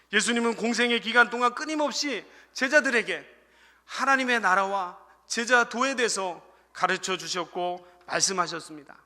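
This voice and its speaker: A man's voice: very high-pitched, bright, forceful tone. A man preaching a Sunday sermon as associate pastor, often calling out to the congregation and telling a humorous story. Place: church sanctuary. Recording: church hall reverb.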